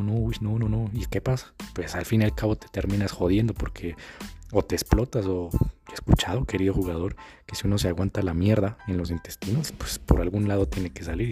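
A man's voice: fairly low pitch, dark tone. A young man with a Colombian accent talking in a casual monologue as a dating coach. He is crude and slangy, and he acts out the voices he quotes. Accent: Colombian Spanish.

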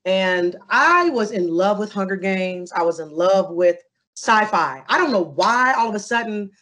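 A young adult woman answering interview questions in a casual, animated way, telling stories with asides to the listener. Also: medium pitch, a little slow. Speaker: interview guest.

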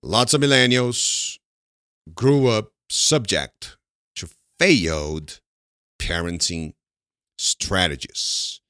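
Slow, lively-voiced Brazilian teacher man. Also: on the low side, no room sound, clean studio sound. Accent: Brazilian Portuguese. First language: Portuguese. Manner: repeats words slowly, asks students questions and answers them himself. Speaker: English teacher. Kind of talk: English lesson mixing in Portuguese explanations.

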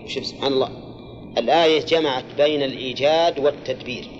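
A man's voice: medium pitch, quick pace, muffled recording, background noise. An older man teaching a grammar and exegesis class, explaining step by step, repeating key phrases and quizzing his students. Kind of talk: classroom lesson with questions to students.

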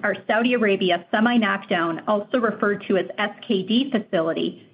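A woman reads through financial figures in a steady, formal manner, presenting a company's quarterly results. Her voice is mid-pitched and even. The audio is a little muffled and lacks crispness. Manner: measured, formal reading of figures. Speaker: finance executive on earnings call. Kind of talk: scripted financial report.

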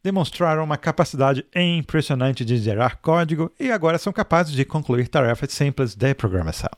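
A man's voice: on the high side, animated, a little fast, no echo, clean studio sound, natural voice. A male tech news co-host doing a gloomy robot voice, Marvin-style, to read a quoted company statement aloud. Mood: droning.

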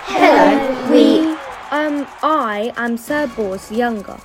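Actress as nervous pantomime kid, high-voiced and halting, noisy recording. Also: female voice. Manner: hesitant, halting. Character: nervous child posing as a bold knight.

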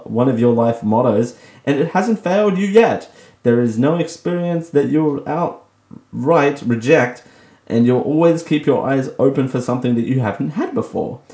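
Chatting solo on his radio show, an Australian man jokes about himself and laughs a lot in a fairly high voice with a darkish tone. The recording carries an echoey room sound.

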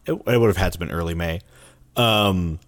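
A man co-hosting a podcast in casual chat, hoarse from bronchitis, rambling and correcting himself as he goes. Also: deep voice, normal speed. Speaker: podcast co-host.

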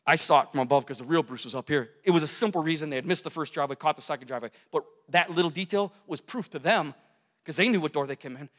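A man's voice: on the high side, fast talker, fairly bright tone. A man telling a dramatic personal story to an audience, repeating phrases for emphasis and gesturing as he goes. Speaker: speaker telling his near-death story. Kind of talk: testimony talk to an audience. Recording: long hall reverb.

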